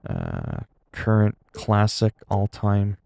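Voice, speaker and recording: Low gravelly streamer. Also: male voice, wildly swooping pitch, slow, mellow, no echo. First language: French. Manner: rambling, self-talk with laughs and asides. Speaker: gaming streamer. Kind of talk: casual gameplay chat.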